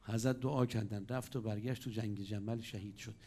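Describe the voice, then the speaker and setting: A man preaching a sermon, telling stories with sudden swings between loud and hushed delivery. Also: fairly low pitch, steady tone.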